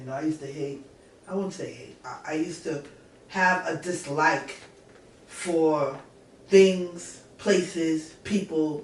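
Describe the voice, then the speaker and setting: A woman speaks at a very slow pace with long, frequent pauses, her fairly low voice showing ordinary pitch variation and big swings in loudness. Noticeable background noise and audible room echo fill the recording. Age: 50s. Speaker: podcast host. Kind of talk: casual interview.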